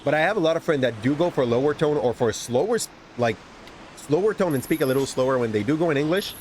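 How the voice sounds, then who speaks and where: Game music plays as this Québécois streamer rambles chattily about his gameplay, his light accent coming through and his words frequently restarting. His voice is a little high and a little mellow, with lively intonation and a quick pace, over a slight hiss or hum.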